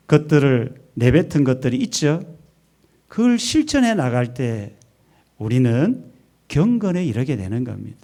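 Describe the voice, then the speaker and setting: A man's voice: mid-range voice, warm tone. A male pastor preaching a Sunday sermon in a church, emphatic, asking rhetorical questions and leading the congregation to repeat after him. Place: church sanctuary.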